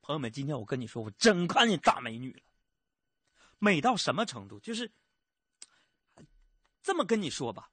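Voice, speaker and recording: A man's voice: on the high side, big pitch swings, moderate pace, pauses often, pushed and bright, slightly rough, no echo. A male radio host, telling jokes in a comic monologue from a studio and laughing at his own punchlines.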